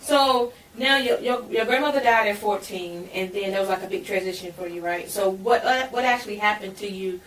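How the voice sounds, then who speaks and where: A woman's voice: medium pitch, fairly quick, few pauses, fairly bright tone, recorded from a distance. Brief: woman podcast host, encouraging interviewer, voice sits back from the mic in a roomy space. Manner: affirming, frequent backchannels. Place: podcast studio. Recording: roomy, off-mic with faint hiss.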